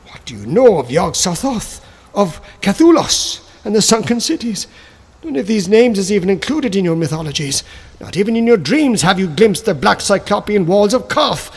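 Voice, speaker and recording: Guy putting on a high raving old sorcerer, scornful, talks all olde-worlde. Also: slightly rough, full character voice. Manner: raving, grandiose, archaic speech. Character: ancient raving male sorcerer, mad and scornful.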